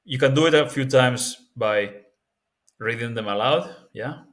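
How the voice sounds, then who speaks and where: A man with a Spanish accent, hosting a language-learning tutorial in a relaxed, think-aloud way, often tagging sentences with "yeah?" or "right?". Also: mid-range voice, measured pace. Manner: relaxed and thinking aloud, with frequent fillers and tag questions. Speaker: language-learning video host. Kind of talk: casual spoken tutorial.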